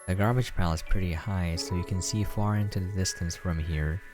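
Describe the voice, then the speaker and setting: Male game preview host, low register, reads story text aloud with casual asides, music underneath. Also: steady tone, brisk. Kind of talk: reading a visual novel aloud with casual asides.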